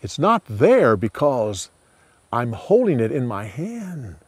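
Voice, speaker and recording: A man's voice: medium pitch, very animated, slow, husky, no echo, heavily acted. A man voicing a young male hero who earnestly pleads with his king in a Bible story. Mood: pleading.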